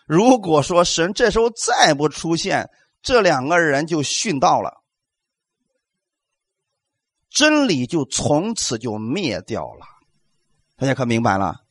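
A man's voice: a little high, big pitch swings, slow pace, pauses often, no echo. A male pastor delivering a sermon, emphatic, asking the congregation rhetorical questions and acting out quotes.

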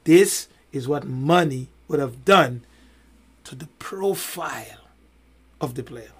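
Man, podcast co-host, high voice, emphatic, rhetorical questions, lots of "you know". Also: lively intonation, husky. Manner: emphatic, builds points with rhetorical questions and long analogies; fills pauses with many "you know"s. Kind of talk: casual podcast discussion.

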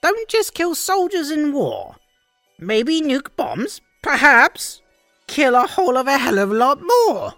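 A woman's voice: high voice, very animated, a little slow, fairly bright tone, dry recording, faint music behind, pitched above the performer's own voice, heavily acted. A woman voicing a scheming, gloating male villain in a Grinch-like fan story, with a gleeful, sly delivery. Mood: puzzled.

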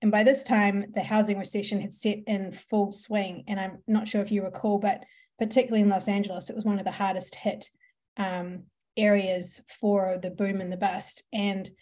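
A woman's voice: medium pitch, level tone, normal speed, a little mellow. Kiwi lady on a podcast, chatty, laughs a lot, says um heaps. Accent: New Zealand. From New Zealand. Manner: chatty, laughs often, many ums. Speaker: podcast guest, marketing entrepreneur. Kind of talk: conversational storytelling.

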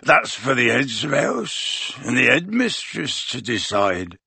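A man puts on a big soft-hearted groundskeeper, gruff and croaking through tears. He drawls slowly with dropped, rustic words. The voice is breathy and the room dry. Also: mid-range voice, very animated, no room sound, heavily acted. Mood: grieving. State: tearful.

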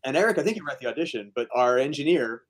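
An animated man with a mid-range voice, telling an audition story to fellow panelists. He talks quickly and leans into the punchlines. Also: mid-range voice. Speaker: voice actor panelist. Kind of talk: casual panel anecdote.

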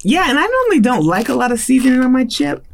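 Woman podcast co-host, chatty and playful, very animated melody. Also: high voice, fast, gravelly, slight background noise. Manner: playful and chatty, breaks into song. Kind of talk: casual chat.

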